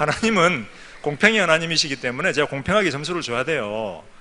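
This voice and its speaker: Bright and sharp in tone, a man talks at a fairly quick pace and a fairly high pitch, with very wide pitch swings, vocal fry and audible room echo. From Gyeongsang Province, Korea. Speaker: guest preacher, professor. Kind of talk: sermon. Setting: church. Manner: conversational, asks audience questions.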